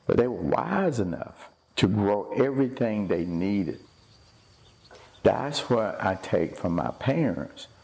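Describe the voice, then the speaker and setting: A man's fairly low voice with vocal fry and lively intonation, very slow in pace, with long, frequent pauses. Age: 60s. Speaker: pastor. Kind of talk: documentary interview.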